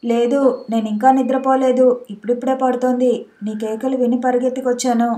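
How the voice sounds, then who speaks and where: A woman reading a caring young husband, gently worried, with a soft, mellow tone and a voice that sits fairly high. he sounds soothing and attentive in a storybook reading. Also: flat delivery, brisk, lightly acted. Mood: concerned. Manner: concerned, soothing. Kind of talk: audiobook character voice.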